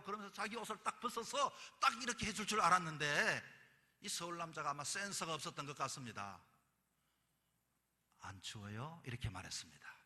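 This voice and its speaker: Bright high-voiced male pastor preaching. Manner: emphatic preaching with sudden loud bursts. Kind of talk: sermon. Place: church sanctuary. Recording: long reverb of a church hall.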